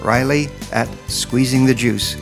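A male podcast host with a gravelly edge guides the interview, encouraging and quick to affirm his guest. Faint music plays softly behind him. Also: medium pitch, fairly even intonation. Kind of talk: interview hosting.

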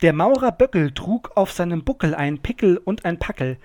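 A man chatting casually as a podcast co-host, playful and quick to laugh as he stumbles through tongue twisters. The sound is dry and close, with no room behind him. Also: high-pitched, lively intonation, a little mellow, dry recording.

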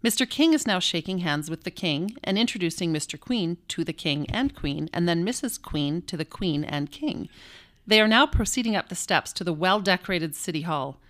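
A woman voicing an old-timey radio announcer in a brisk, breathless 1930s radio acting style. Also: lowish voice, expressive, fairly bright tone. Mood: excited.

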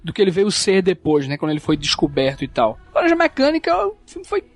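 A man's voice: high-pitched, huge pitch swings, fast talker, dry recording. A man with a Brazilian accent co-hosting a film podcast, speaking hesitantly with many fillers and restarts. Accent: Brazilian Portuguese. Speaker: podcast co-host. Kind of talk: casual film discussion.

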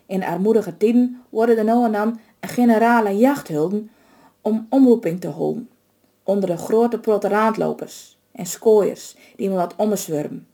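Dark-toned woman telling a folk tale. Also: mid-range voice. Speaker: storyteller. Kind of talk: reading a folk tale aloud.

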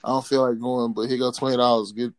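A man's voice: medium pitch, flat delivery, quick pace. A man with an African American accent co-hosting a podcast in casual, boisterous, joking banter full of swearing. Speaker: podcast co-host.

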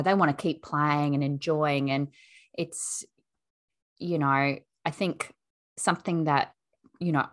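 A woman and mother hosting an interview, speaking in a thoughtful, measured and affirming way. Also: deep voice. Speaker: podcast host. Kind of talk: reflective interview chat.

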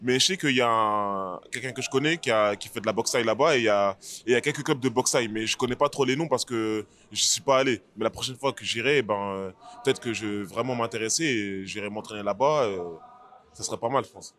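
A man's voice: fairly low pitch, fast, a bit bright. A man who is an MMA fighter, answering interview questions casually and hesitantly, with many fillers and restarts. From France.

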